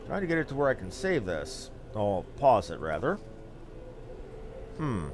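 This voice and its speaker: A man's voice: on the low side, wildly swooping pitch, a little slow, background noise. A man streaming a video game, commenting as he plays. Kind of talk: reading game dialogue aloud with brief commentary.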